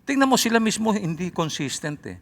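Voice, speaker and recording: A male pastor delivering a sermon with animated energy. His voice sits a little high and swings widely in pitch. It often rises loud. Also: fairly quick.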